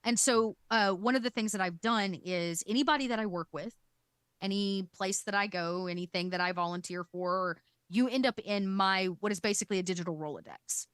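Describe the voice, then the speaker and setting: A woman's voice: mid-range voice, fairly quick, fairly bright tone, clean tone, no room sound, clean studio sound. A woman speaking casually as an interview guest, informal and often voicing imagined remarks as she explains her work. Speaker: guest, game master and content production manager.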